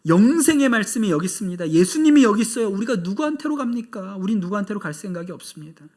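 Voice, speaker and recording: A man's voice: high voice, very animated, fast, darkish tone. A male pastor delivering a sermon in an earnest, conversational way, repeating key phrases for emphasis.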